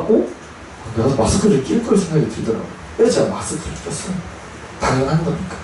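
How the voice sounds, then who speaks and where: A man, a Buddhist chaplain monk, telling a story in a dharma talk with animated delivery and acted-out voices. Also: sits high, a little hiss or hum. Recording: echoey hall, voice from far off.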